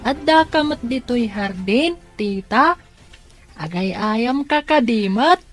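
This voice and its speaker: Slow-talking, helpful Ilocano niece played by a woman. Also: a little high, expressive, soft background music. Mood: curious.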